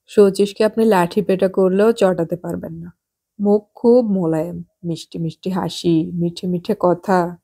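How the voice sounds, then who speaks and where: A woman voicing a nosy, gossipy well-off married woman in an audiobook, chatty and sharp-tongued. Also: lowish voice, steady tone, a little slow, vocal fry, breathy edge, full character voice. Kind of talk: audiobook character voice.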